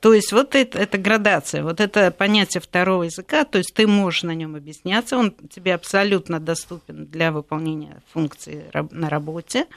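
A woman in her sixties from Latvia, a politician, who speaks with frequent pauses, fillers and restarts in a conversational interview. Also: fairly low pitch, steady tone, no room sound, studio quality. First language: Russian. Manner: hesitant, many fillers and restarts.

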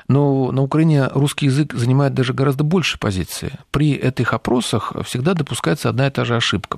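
Gravelly, husky man analyzing politics. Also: medium pitch, dry recording, studio quality. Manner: long explanatory turns with frequent hesitation fillers. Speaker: studio guest, political commentator. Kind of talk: political talk show discussion.

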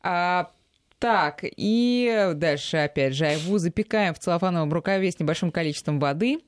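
A woman hosting a radio show, reading out listener letters in a brisk, conversational way with filler sounds. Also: lowish voice, dry recording, studio quality.

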